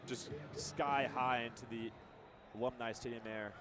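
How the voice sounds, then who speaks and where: A man giving live football color commentary in a conversational, slightly halting way. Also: mid-range voice, fairly even intonation, crowd noise. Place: outdoor stadium broadcast position. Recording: clear outdoor background noise.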